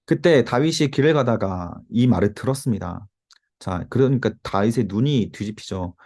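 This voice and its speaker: Man, Bible study teacher, explaining, exhorting, mellow tone. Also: on the low side, expressive, normal speed. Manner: explaining, exhorting, gives note-taking cues.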